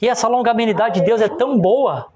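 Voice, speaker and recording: A man from Rio do Sul, a pastor preaching a sermon in church with call-and-response. He keeps asking the congregation for agreement and grows loud and emphatic as he presses each point. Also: sits high, fast, lo-fi sound, crowd noise. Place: church service in front of a congregation.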